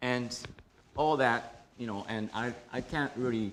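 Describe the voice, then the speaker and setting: In a Japanese accent, a man speaks at a fairly slow pace with ordinary pitch variation. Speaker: architect and project manager. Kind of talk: symposium presentation. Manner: halting, many fillers.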